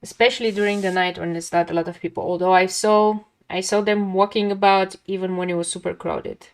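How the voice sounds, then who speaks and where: A woman's voice: on the low side, fairly quick, clear, resonant tone. Chatty woman livestreaming her drawing. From lives near a big Dutch city. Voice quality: calming voice. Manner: chatty, talks to chat viewers, laughs often. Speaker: art livestream host. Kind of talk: casual chat while drawing.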